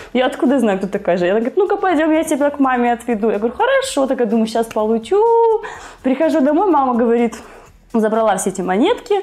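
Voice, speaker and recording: A woman speaks very fast, her high pitch swinging very widely. Noticeable background noise runs behind her. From Kazakhstan. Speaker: magazine owner and editor. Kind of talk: casual interview.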